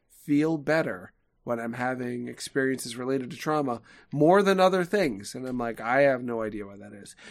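An ordinary speaking voice from a man at medium pitch, moderate pace and lively intonation, on a very clean recording with a silent background. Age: 40s. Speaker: podcast host and video game figure. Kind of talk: casual chat.

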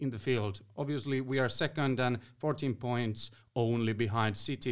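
A man's medium-pitched voice with a Finnish accent and ordinary pitch variation, fairly slow, in a very clean recording with a silent background. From Finland. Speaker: podcast co-host. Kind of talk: casual interview.

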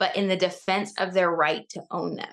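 Over a quiet background, a woman with an East Tennessee accent speaks at a moderate pace in a medium pitch, her tone bright and sharp. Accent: Southern US (East Tennessee). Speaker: gun rights advocacy organizer. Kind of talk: interview.

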